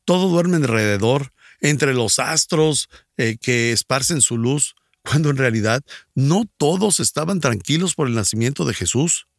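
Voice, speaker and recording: A man's voice: mid-range voice, lively intonation, measured pace, no echo. Earnest male preacher in a dry room. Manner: earnest, asks listeners direct questions. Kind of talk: recorded sermon, Spanish voice-over.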